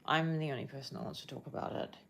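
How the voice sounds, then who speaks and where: A woman's voice: deep voice, steady tone, rapid-fire, vocal fry, noisy background. A young woman with a New Zealand accent chatting casually with viewers on a livestream, rambling and often searching for words.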